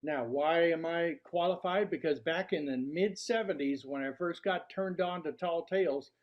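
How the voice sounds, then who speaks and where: An older man speaks to a club in a notably high voice. His delivery is deliberate and theatrical, built like a prepared workshop speech. The recording sounds muffled and low in fidelity. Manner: deliberate, showman-like delivery with rhetorical questions. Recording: dull, lo-fi sound.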